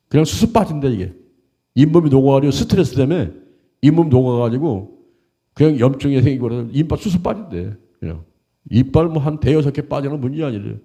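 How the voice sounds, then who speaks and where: A middle-aged male pastor preaching a sermon in a folksy, animated way, acting out little dialogues. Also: fairly high pitch.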